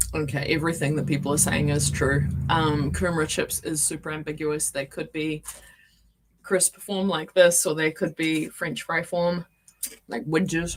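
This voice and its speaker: In a New Zealand accent, a woman speaks with a very deep, low pitch. Her intonation is fairly even and her pace moderate. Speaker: author and writing-stream co-host. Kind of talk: casual chat with livestream viewers.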